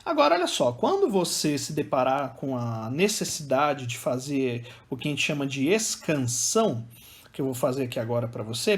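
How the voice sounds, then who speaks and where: A man with a Brazilian accent teaching literature in an exam-prep lecture, chatty and speaking straight to his students. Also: fairly high pitch. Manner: chatty, addresses students directly, counts syllables aloud.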